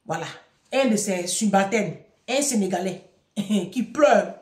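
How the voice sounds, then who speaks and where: A woman's voice: mid-range voice, lively intonation, slow pace, roomy sound. A middle-aged woman giving impassioned advice to her audience, emphatic and preachy, repeating phrases for force.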